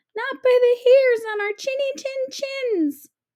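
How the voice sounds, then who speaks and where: A woman in a put-on character voice squeaks at an extremely high pitch and a fairly slow pace. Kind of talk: bedtime story. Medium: read story. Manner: squealing, panicky.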